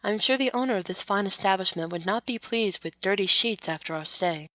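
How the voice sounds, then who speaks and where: A woman playing a composed, guarded young noblewoman who speaks formally and with measured phrasing in a fan audio drama. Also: medium pitch, a bit bright, lightly acted. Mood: dry, poised.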